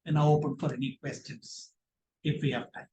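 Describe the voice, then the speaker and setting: A man with an Indian accent teaching a public speaking workshop in a deliberate, instructive and emphatic way. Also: fairly high pitch, flat delivery, mellow, a little hiss or hum. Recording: roomy, echoing voice pickup.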